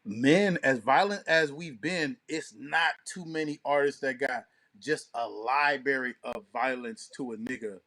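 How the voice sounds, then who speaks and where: A man's voice: mid-range voice, measured pace, hardly any pauses, sharp tone. A man co-hosting a talk show in casual, opinionated discussion, with a slangy and profane way of talking.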